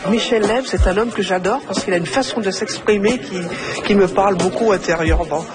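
High-voiced man, cheerful vox pop. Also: a little fast, music in the background. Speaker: audience member in a street interview.

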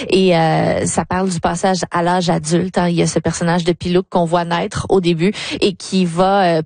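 A woman's voice: fairly low pitch, darkish tone, no echo. A woman with an Italian accent giving a thoughtful radio arts report and explaining what the work means.

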